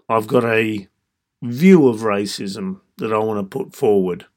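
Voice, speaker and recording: An Australian man in his fifties speaks in a lowish voice at a very unhurried pace. He delivers a reflective podcast monologue, measured and deliberate, setting down his thoughts a few words at a time. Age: 50s. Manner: measured, deliberate, broken into short phrases. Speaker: podcast host.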